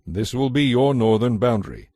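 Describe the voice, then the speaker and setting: A man narrating dramatized scripture in a solemn, measured, authoritative manner. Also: mid-range voice, lively intonation, a little mellow, no echo, studio quality. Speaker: audio Bible narrator. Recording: music under the voice. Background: music.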